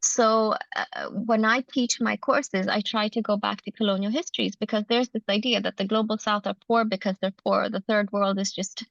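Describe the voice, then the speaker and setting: Gravelly-voiced woman. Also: mid-range voice, steady tone, normal speed, a bit bright, no room sound. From Sweden. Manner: thoughtful, many hesitations. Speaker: guest anthropologist. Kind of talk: academic interview answer. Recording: dull muffled sound.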